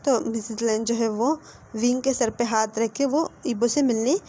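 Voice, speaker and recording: A woman's voice: on the high side, fairly even intonation, moderate pace, mellow. Woman narrator, conversational and plain, retelling a romance story. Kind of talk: casual fan-fiction storytelling.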